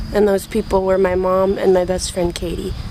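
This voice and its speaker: A woman speaks over noticeable background noise. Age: 20s. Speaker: vlogger with cystic fibrosis. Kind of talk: personal vlog. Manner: monotone, chill; occasional stutter.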